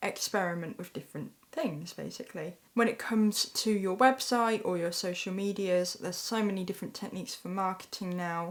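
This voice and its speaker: In a very clean recording with a silent background, a woman with a British accent speaks at a fairly quick pace, her medium pitch showing ordinary variation. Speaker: bridal makeup artist. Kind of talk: casual talk to camera.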